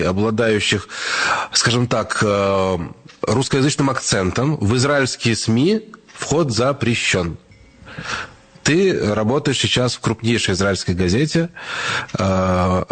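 A man's voice: fairly low pitch, husky. A man hosting a podcast, asking questions and joking in a casual conversational way. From Israel. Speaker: podcast host.

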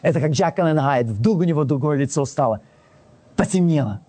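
A man's voice: a little high, fairly quick. A man telling a casual personal anecdote, acting out the dialogue and often restarting and correcting himself. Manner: animated retelling that acts out quoted dialogue; frequent restarts and self-corrections. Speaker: storyteller.

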